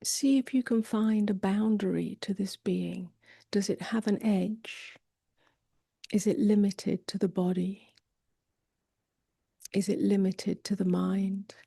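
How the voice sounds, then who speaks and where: A woman meditation teacher leading a guided meditation softly and gently, often drifting toward a whisper, with long pauses. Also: medium pitch, fairly even intonation, dry recording, clean studio sound. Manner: soft, breathy delivery drifting toward a whisper.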